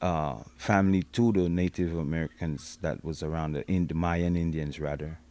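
A man with a Belizean accent talks at a very slow pace in a very deep, low voice. The recording is very clean, with a silent background. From Belize City, Belize. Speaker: reggae DJ and MC. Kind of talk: casual interview chat.

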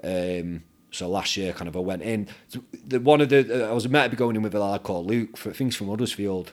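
Speaking with a Manchester accent, a man talks at a fairly quick pace. His fairly low pitch shows ordinary variation. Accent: Manchester-area English. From northern England, Stockport. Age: 30s. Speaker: gym owner. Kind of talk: casual chat.

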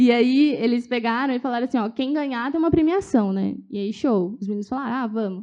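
An ordinary speaking voice from a woman, fairly high and fairly quick, with ordinary pitch variation. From Brazil, Lençóis (São Paulo interior). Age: 20s. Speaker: psychology student. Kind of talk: casual interview.

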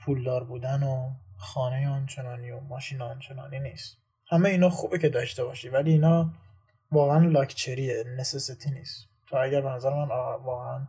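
A man talks at a fairly quick pace with a medium pitch and fairly even intonation. His tone is dark and mellow, and somewhat breathy. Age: 20s. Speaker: podcast co-host. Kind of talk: casual chat.

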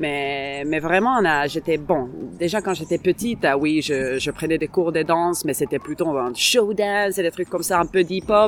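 At a fairly slow pace, a woman with a Finnish accent speaks in a fairly low pitch with ordinary pitch variation. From Finland, Helsinki. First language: Finnish (speaking French). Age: 30s. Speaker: DJ and dancer. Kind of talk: interview. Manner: halting, repeats words.

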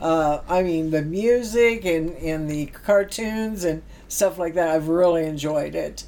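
A dark, mellow tone with an American accent, fairly slow in pace with ordinary pitch variation, amid audible room echo. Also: woman, fairly low pitch for a woman. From Topeka, Kansas. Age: 70s. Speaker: retired youth worker and foster parent. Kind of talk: casual interview chat. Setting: studio.

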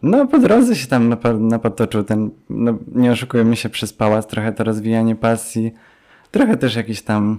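Speaking in a dark, mellow tone, a man proceeds at a moderate pace. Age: 20s. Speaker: university student and musician. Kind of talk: casual chat.

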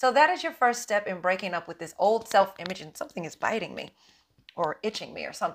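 A woman speaks in an animated tone at a fairly quick pace, her bright, sharp voice making very wide pitch swings. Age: 40s. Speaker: podcast host and self-help coach. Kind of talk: motivational self-help talk.

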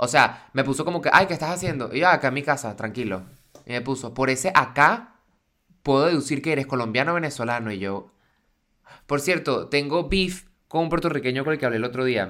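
On a very clean recording with a silent background, a man with fairly high pitch sounds bright and sharp, speaking at a fairly quick pace with lively intonation. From Venezuela (Barquisimeto). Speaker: podcast co-host. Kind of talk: casual chat.

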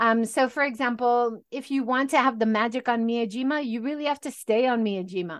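Someone speaks with a Hawaiian accent against a quiet background. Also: woman. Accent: American (Hawaii). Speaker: travel business consultant. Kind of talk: interview.

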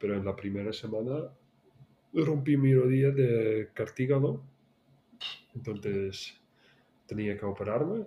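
A man's somewhat breathy, dark, mellow voice at a fairly slow pace with ordinary pitch variation. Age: 30s. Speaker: retired basketball player. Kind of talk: casual interview. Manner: halting.

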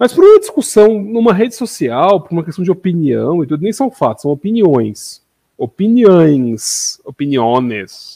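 A high-pitched man with a dark, mellow tone speaks at a fairly slow pace. His pitch swings very widely. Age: 40s. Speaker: podcast co-host. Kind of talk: casual chat.

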